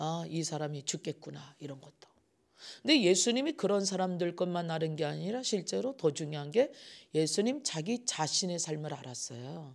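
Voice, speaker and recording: The background is silent in this very clean recording. The speaker moves at a moderate pace with lively intonation. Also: man, high pitch for a man. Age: 60s. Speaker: pastor. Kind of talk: sermon. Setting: church. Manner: conversational, colloquial.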